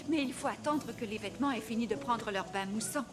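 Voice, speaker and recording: A woman voicing a gentle, playful older grandmother in a French cartoon dub, coaxing in a singsong way. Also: fairly high pitch, a little fast, natural voice. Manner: singsong, coaxing, makes games of chores. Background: background music.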